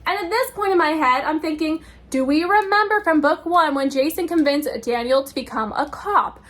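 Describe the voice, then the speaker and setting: Brief: young woman, high bright voice, book vlogger, chatty and exasperated, breezy recap. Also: normal speed. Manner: chatty, exasperated asides, acts out characters' quotes. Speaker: book reviewer. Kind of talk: casual spoiler plot summary.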